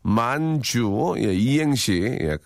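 Lively, playful middle-aged male radio DJ. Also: medium pitch, very slow, gravelly, no room sound, clean studio sound. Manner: playful, jokey, acts out quoted lines. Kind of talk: morning radio talk. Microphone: studio microphone.

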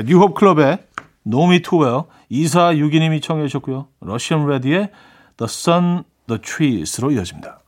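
A middle-aged man hosting a radio music show in a chatty, casual way, reading listener messages and joking about them. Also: on the high side. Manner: chatty, reads listener messages and plays up reactions.

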